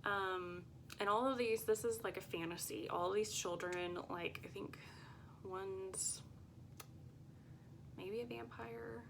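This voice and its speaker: A woman vlogger chats casually in a medium-pitched voice with plenty of vocal fry. She takes her time, rambling a little and often sounding unsure of herself. A faint low rumble sits behind her voice. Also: takes it slowly, pauses often. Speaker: book vlogger. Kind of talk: casual, chatty book list talk to viewers.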